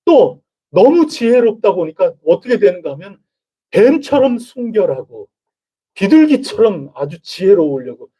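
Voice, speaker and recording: A man's voice: high voice, sing-song, measured pace, dark tone, breathy edge. A male pastor preaching a midweek sermon in a chatty, conversational way, often turning to the congregation with questions. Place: church sanctuary. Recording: dull lo-fi church recording.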